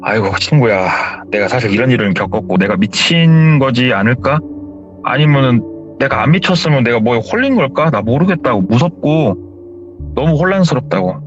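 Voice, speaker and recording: A man's voice: medium pitch, lively intonation, normal speed, lightly acted. A man voicing a frightened, shaken middle-aged man who talks anxiously and pleadingly. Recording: slightly dull sound with faint music.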